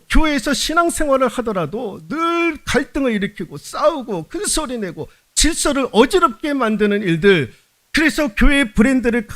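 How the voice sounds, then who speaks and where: At a Wednesday prayer service, a male pastor preaches, putting emphatic rhetorical questions to the congregation. For confessional prayers, his voice drops soft and low.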